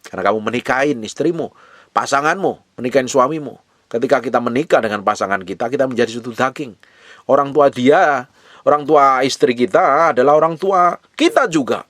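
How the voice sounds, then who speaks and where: A man's voice: mid-range voice, fairly quick, fairly bright tone, dry recording, clean studio sound. A male pastor preaching a sermon, urging his listeners with repeated, emphatic exhortations in a casual, conversational way.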